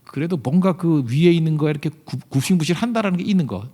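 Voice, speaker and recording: A man's voice: fairly high pitch, animated, fast talker. Conversational man preaching a sermon. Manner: conversational preaching, frequent rhetorical questions; swings between loud emphatic lines and quiet asides. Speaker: pastor. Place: church service.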